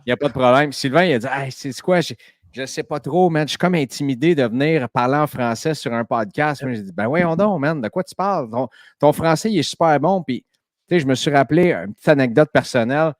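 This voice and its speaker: A man's voice: medium pitch, animated, brisk, dry recording, studio quality. A man hosting a podcast, chatty and enthusiastic with plenty of fillers. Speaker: host. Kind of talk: casual podcast chat.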